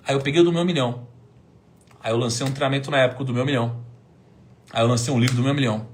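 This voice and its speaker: A Brazilian man in his thirties tells a story from his own life on a live stream. He acts out old conversations in different voices, drops almost to a whisper, then bursts out loud and high. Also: fairly even intonation, rapid-fire, a little hiss or hum. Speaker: host telling a personal story.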